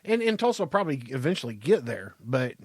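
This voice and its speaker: A man's voice: mid-range voice, big pitch swings, quick pace, slightly rough, dry recording, clean studio sound. A man in his fifties with an American accent, bantering casually and crudely as a podcast co-host, with emphatic delivery. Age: 50s.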